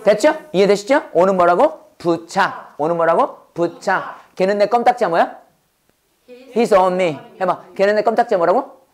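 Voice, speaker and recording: In a lively, medium-pitched voice gone hoarse, an English teacher repeats each prompt and has students call it back in a fast-moving drill.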